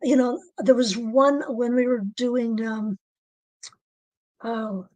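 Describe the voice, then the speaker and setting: A woman author with a low alto voice, speaking in a halting, soft-spoken way in a casual podcast interview. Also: steady tone, dry recording, low-quality recording. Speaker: author guest.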